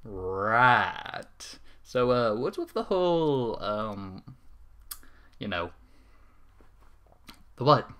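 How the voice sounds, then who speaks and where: A folksy farm mare in a cartoon parody story, voiced by a man, halting and flustered with concern. The tone is bright and the pitch lively. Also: heavily acted. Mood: awkward concern. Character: folksy, awkward, concerned female farm pony.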